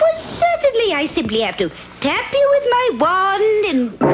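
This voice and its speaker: In a cartoonish character voice at an extremely high pitch, the speaker swings very widely in pitch at a moderate pace over loud background noise. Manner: homespun, folksy.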